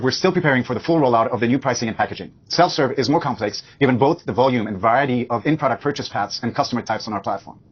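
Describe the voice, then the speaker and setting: A man's voice: medium pitch, husky, highs cut off. A man speaking as a company executive, reading prepared earnings call remarks in a businesslike manner.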